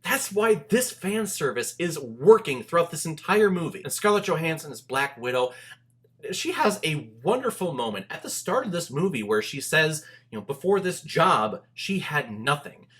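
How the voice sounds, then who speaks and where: A man giving an enthusiastic movie review, gushing and emphatic, with dramatic pauses for effect. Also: a little high, sing-song, a bit bright. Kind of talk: enthusiastic video review commentary to camera.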